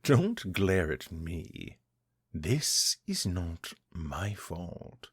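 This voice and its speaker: Man voicing a vampire lord villain, ancient and cruel, very slow taunting delivery, deep husky voice, dry close sound. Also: very animated, no room sound, full character voice. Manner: taunting, condescending, slow and deliberate. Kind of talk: audio drama, one-sided dialogue.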